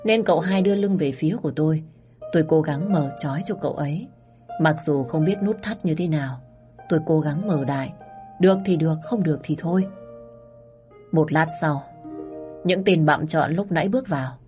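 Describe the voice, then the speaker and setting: A woman narrating a story in the first person, expressive and acting out the dialogue. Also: low-pitched.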